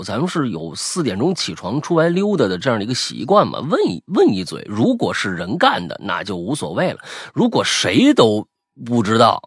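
A man's voice: medium pitch, slightly rough, no echo, studio quality. A man hosting a podcast, chatting casually and reading out listener stories, rambling with many restarts. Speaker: podcast host.

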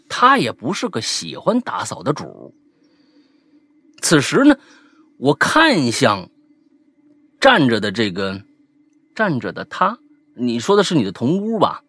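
A man co-hosting a casual podcast, reading out a listener's ghost story with lively asides and banter. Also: mid-range voice, husky, no room sound. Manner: lively, animated retelling with asides.

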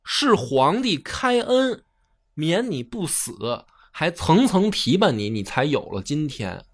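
A man voicing a defiant court musician who scolds a rebel lord, his voice raised and slowed with indignation. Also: fairly high pitch, very animated, voice pushed up, full character voice. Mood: indignant.

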